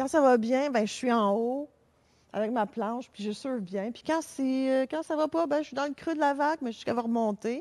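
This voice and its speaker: A woman's high-pitched voice at a moderate pace, with big swings in loudness and a quiet background. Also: ordinary pitch variation. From Quebec, Sept-Îles. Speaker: cancer survivor, retired communications professional. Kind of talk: interview, personal story. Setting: live event with audience.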